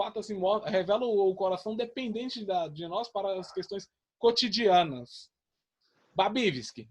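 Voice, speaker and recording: The man's voice is high in pitch. He talks at a fairly slow pace. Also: ordinary pitch variation, big swings in loudness. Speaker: Sunday school teacher. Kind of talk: bible class lesson. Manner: halting, many self-corrections.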